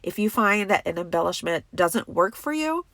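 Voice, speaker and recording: A woman's voice: medium pitch, lively intonation, normal speed, fairly bright tone, dry recording. A woman with a stuffy, congested voice, chatting enthusiastically through a crafting tutorial voice-over. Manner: chatty and enthusiastic, many fillers.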